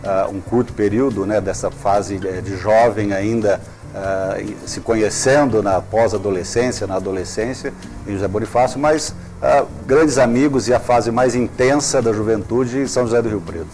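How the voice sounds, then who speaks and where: A man, a prosecutor guest in a studio interview, speaking in a measured, formal way with frequent hesitations. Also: lowish voice, darkish tone. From Brazil. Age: 50s.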